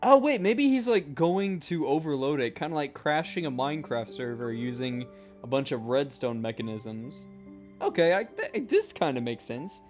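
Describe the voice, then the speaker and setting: A man streaming a game, reading its text aloud and adding excitable, jokey commentary. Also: fairly high pitch. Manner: jokey, excitable, quick asides. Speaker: gaming streamer. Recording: muffled, game music behind.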